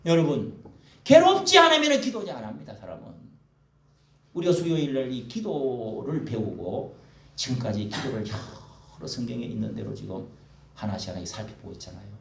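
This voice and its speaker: A man's voice: medium pitch, vocal fry. A male pastor preaching a sermon in a church, rhetorical and often prodding the congregation. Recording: echoey room, mic at a distance.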